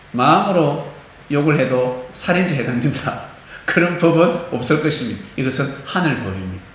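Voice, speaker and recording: A man preaching a sermon as pastor, animated, acting out quotes and singing bits of hymns. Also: on the high side. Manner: animated, acts out quotes, sings snatches of hymns. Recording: echoey church hall, faint noise.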